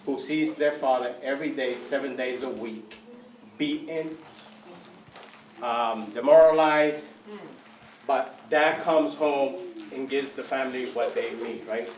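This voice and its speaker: A man performing spoken word poetry, measured and repetitive, guiding the audience. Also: mid-range voice. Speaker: poet performer. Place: community event hall. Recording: echoey room, mic from far off, faint noise.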